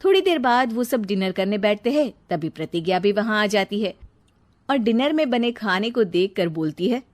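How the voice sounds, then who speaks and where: Steady woman storybook narrator. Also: mid-range voice, moderate pace.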